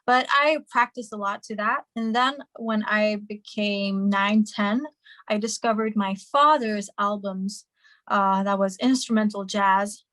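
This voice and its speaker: A woman's voice: medium pitch, fairly even intonation, a little slow, fairly bright tone, no room sound. A young woman from Hungary, a singer and musician, answering interview questions in a chatty way with many fillers and restarts over a video call.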